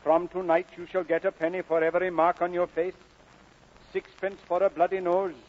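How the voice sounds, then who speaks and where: A man's voice: high-pitched, little pitch movement, normal speed, lightly acted. An actor playing a stern, proud Welsh father in a vintage film drama, commanding and lilting. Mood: firm. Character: stern, proud working-class Welsh father of many sons. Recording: dull vintage film soundtrack.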